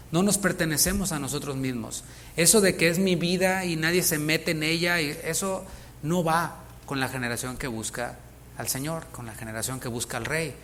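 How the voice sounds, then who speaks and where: A man's voice: on the high side, fairly bright tone, a little hiss or hum. A man preaching a sermon as pastor, speaking with emphasis and putting rhetorical questions to the congregation. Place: church in Houston.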